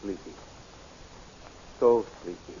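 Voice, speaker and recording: An actor playing a drugged, drowsy palace guard with a husky, halting voice in a 1930s radio serial. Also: male voice, dark tone, a little hiss or hum, close to an everyday voice. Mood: groggy, confused. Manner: halting, groggy. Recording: muffled old radio recording.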